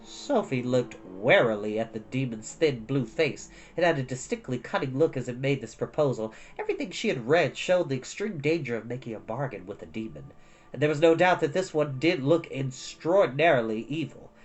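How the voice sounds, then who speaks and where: A man reading a storybook aloud as an expressive narrator. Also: mid-range voice, moderate pace. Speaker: storytime reader.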